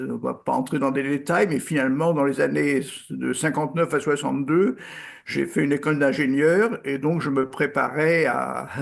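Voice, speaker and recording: Against a quiet background, a man speaks at a moderate pace in a fairly high pitch with vocal fry and fairly even intonation. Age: 80s+. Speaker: Dominican priest and meditation teacher. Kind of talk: interview. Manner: halting.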